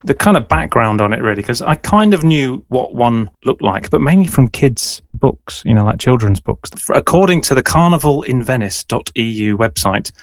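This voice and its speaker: A man's voice: medium pitch, no room sound. A man hosting a conversational interview, explaining things in a loose, hedging way. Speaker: interviewer, host.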